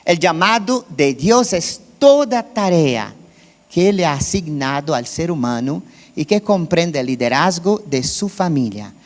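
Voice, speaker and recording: A man's voice: a little high, expressive, measured pace, long reverb tail. A Brazilian man who speaks Portuguese as his first language preaches in Spanish with a Brazilian Portuguese accent, keeping it conversational and checking in with his listeners. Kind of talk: sermon. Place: church.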